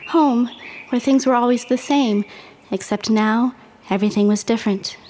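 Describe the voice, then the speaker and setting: Woman playing a high-voiced, wry teenage girl. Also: moderate pace, slight background noise, lightly acted. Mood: wry, eerie narration. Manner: wry, slangy, dramatic. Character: sardonic, uneasy teenage schoolgirl telling her eerie story. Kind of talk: audio drama narration and dialogue. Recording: loud music under voice.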